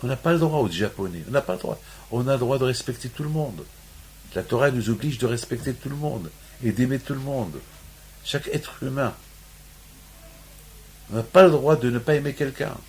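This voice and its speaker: A man's voice: mid-range voice, moderate pace, long pauses, a little hiss or hum, poor audio. A man from Morocco giving a sermon on the weekly Torah portion, restating his points over and over and rising into emphatic peaks. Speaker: rabbi.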